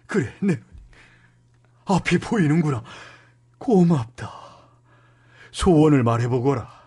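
A man playing a comically grandiose, overjoyed old king with a husky voice in a historical drama skit. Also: a little high, expressive, takes it slowly, darkish tone, pitched below the performer's own voice, exaggerated voice. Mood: grateful, regal.

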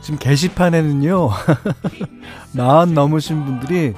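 A man hosting a radio show, reading listener stories and chatting in a relaxed way, chuckling often. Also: a little high, unhurried. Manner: relaxed, chuckling, many fillers. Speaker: radio DJ host. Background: soft guitar music.

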